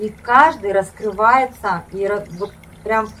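Noticeable background noise sits under the recording. A woman speaks with ordinary pitch variation. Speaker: retreat participant and practitioner. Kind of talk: testimonial interview. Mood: calm, reflective. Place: garden. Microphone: lapel.

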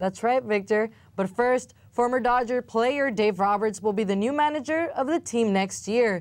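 Against a quiet background, a woman with a fairly high pitch and ordinary pitch variation speaks at a moderate pace with hardly any pauses and very even loudness. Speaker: sports anchor. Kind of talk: scripted sports news reading. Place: studio. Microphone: lapel.

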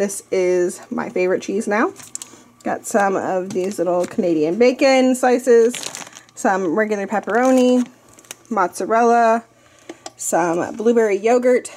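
Her pitch variation is ordinary as this woman speaks. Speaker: home vlogger. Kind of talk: casual grocery haul narration. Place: kitchen. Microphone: phone near.

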